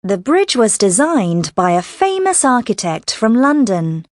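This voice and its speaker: A woman reading scripted answers and sentences for a listening exercise, in a clear, careful way. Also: a little high, sing-song, a little slow, a little mellow, no room sound, studio quality.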